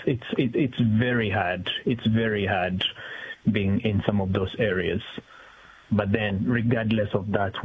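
A man's voice: on the low side, slightly rough. A man speaking as a community council executive, a guest on a phone-in radio interview, earnest and searching for his words. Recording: tinny phone line with faint hiss.

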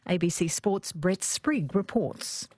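An Australian woman newsreader reading sports results and the weather in a steady, formal manner. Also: on the low side, takes it slowly, husky, dry recording, studio quality. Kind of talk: news and weather read.

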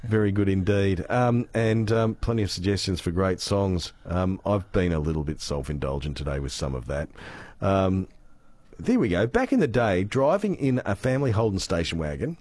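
A gravelly-voiced Australian man hosts talkback radio from a studio. He reads out listener texts and trades dry, teasing jokes with his co-hosts. His voice sits on the low side. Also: expressive, normal speed, darkish tone, no room sound. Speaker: radio presenter. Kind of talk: casual talkback radio chat.

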